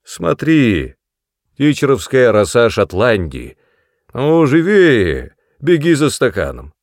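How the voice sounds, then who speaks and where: A man voicing a crude, bullying middle-aged man who talks loudly and mockingly, with a creaky voice. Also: lowish voice, big pitch swings, a little slow, no room sound, clean studio sound, heavily acted. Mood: gruff, mocking. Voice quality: loud, gruff, mocking.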